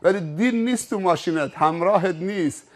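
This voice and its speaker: A man's voice: high voice, close to an everyday voice. A man voicing the angel of death in a sermon story, barking commands and then passing a grave sentence.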